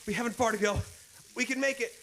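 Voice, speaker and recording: A man playing an earnest, protective gentleman hero in an old-time radio drama style. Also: very high voice, fairly even intonation, fast, vocal fry, a little hiss or hum, exaggerated voice, low-quality recording. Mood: urgent.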